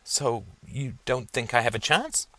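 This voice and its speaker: A man's voice: mid-range voice, very animated, a little slow, fairly bright tone, no echo, pitched above the performer's own voice. A man playing an earnest, insecure young male student who stammers and hesitates.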